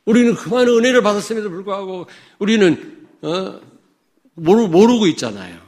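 In an animated sermon delivered a little fast, a man who pastors in Chungcheong, South Korea, shifts from loud pronouncements to soft asides for the congregation. He leans heavily on rhetorical questions.

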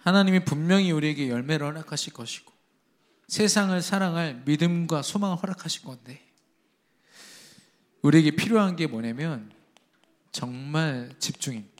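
Guy preaching a sermon, kinda high voice, emphatic, swings from loud to quiet. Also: normal speed, pauses often. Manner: emphatic, rising to loud exhortations then dropping low; tells a family anecdote with quoted dialogue.

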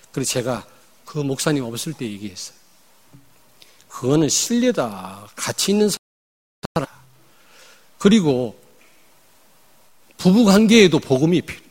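Emphatic Korean pastor preaching in church. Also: male voice, mid-range voice, in a large hall. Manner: emphatic, swings between loud outbursts and quiet asides; acts out angry confrontations in quoted speech. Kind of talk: sermon.

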